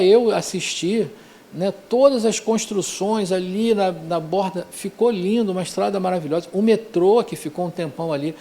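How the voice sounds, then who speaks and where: A man's voice: fairly high pitch, vocal fry, a little mellow. A man giving an informal spiritual lecture, talking conversationally with frequent tag questions and restarts. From Rio de Janeiro, Brazil. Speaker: course teacher.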